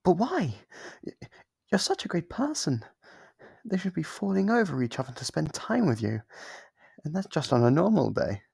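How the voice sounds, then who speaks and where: ASMR audio: lonely caged demon played by a man, warm gravelly tone, dry close mic, wheedling and apologetic. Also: a little high, very animated, dry recording, full character voice. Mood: tender. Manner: soft-spoken, wheedling, quick to apologize. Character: lonely clingy sealed demon, sweetly manipulative.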